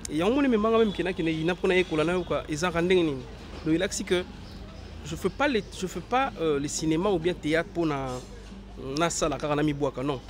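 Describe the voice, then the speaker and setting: A young man from Congo with a hoarse voice from a cold, answering interview questions outdoors in a halting, filler-heavy way. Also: a little high, faint music behind. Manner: hesitant, many fillers and restarts. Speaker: interview guest, actor. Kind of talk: casual interview, mixing French and Lingala.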